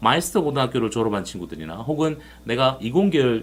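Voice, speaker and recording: Speech at a very fast pace, recorded very cleanly against a silent background. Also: man. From South Korea. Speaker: overseas job consultant. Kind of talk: casual Q&A talk. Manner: animated, conversational.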